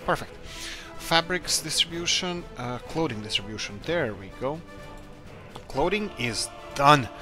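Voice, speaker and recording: A man's voice: on the high side, animated, a little slow, music in the background. Man thinking aloud while gaming. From Croatia. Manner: rambling, thinks aloud, upbeat muttering. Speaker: let's play host. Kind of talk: casual gameplay commentary.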